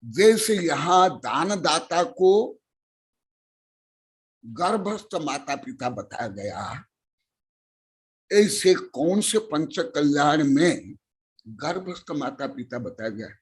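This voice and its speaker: Older man preaching, high-pitched and slow, scolds and questions the listeners. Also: sing-song. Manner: scolding, questioning the audience, bursts of loud emphasis. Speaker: Jain monk teaching scripture. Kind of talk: sermon to lay listeners.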